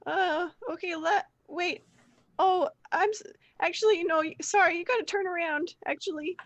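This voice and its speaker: A woman's voice: extremely high pitch, normal speed, no echo, highs cut off, pitched above the performer's own voice. A woman voicing a nervous young man who stammers and keeps apologizing. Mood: flustered.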